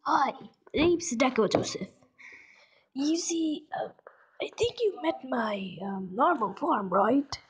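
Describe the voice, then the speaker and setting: A woman's voice: high-pitched, lively intonation, takes it slowly. A woman voicing a hyperactive, friendly young male cat-boy character, perky and chatty, in an amateur audition. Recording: faint background noise with clicks.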